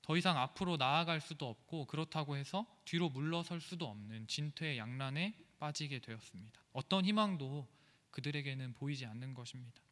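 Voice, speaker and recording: A man's voice: on the high side, a little fast, a bit bright. A man preaching a sermon earnestly, asking rhetorical questions, in an echoey church sanctuary.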